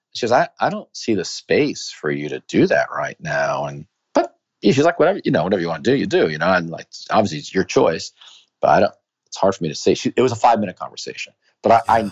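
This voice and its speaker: This man has an American accent and talks at a very fast pace. His loudness swings widely. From New York City (Queens), Italian American. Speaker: pastor and author. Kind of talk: interview conversation.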